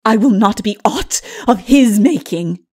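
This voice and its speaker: Anguished, gasping fantasy princess, loud and defiant. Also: female voice, mid-range voice, lively intonation, unhurried, breathy edge. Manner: gasping, bursting out words in jets. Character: Lilith, anguished defiant princess, bitter and proud. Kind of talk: dramatic audiobook reading of dark fantasy.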